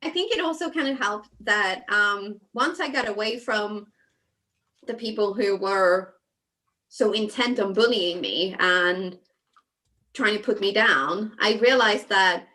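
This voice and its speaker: A woman from Sweden talking casually as a craft show guest over a video call, chatty with many fillers and soft asides. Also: medium pitch, measured pace. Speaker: guest designer. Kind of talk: casual chat while crafting.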